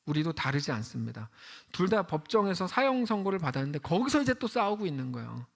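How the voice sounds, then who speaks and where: Lively gravelly male pastor preaching. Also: a little high, quick pace. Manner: lively conversational preaching, acts out quoted voices. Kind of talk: sermon.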